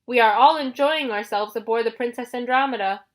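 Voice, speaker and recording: A woman's voice: a little high, brisk, close to an everyday voice. A hypnotized holidaymaker from a storybook, acted out by a woman. Pleasantries come out blank and mechanical, with an empty cheerfulness and no real feeling. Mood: blankly pleasant. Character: entranced, vacant cruise passengers and crew, falsely cheerful.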